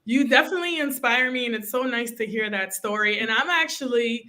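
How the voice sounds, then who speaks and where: A woman's voice: on the high side, a little fast, pushed and bright. A woman from Côte d'Ivoire who grew up in Canada, hosting a podcast and effusively praising her guest in casual chat. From Côte d'Ivoire, raised in Canada. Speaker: podcast host.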